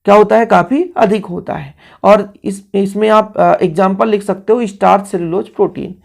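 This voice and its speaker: A man with a high, gravelly, darkish voice gives a coaching-class chemistry lecture at normal speed and a steady tone. He coaxes his pupils along, keeps checking in with them, and asks and answers his own questions.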